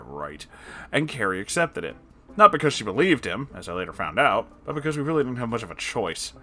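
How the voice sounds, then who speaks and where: A man reading a story aloud as host and reacting to it, with an expressive, exasperated and sarcastic manner. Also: mid-range voice. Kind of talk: story narration with reaction commentary.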